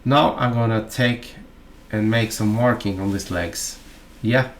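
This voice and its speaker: A man from Norway with a Norwegian accent, narrating a fly-tying tutorial in a halting, chatty way full of fillers and asides. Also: on the low side, slight background noise.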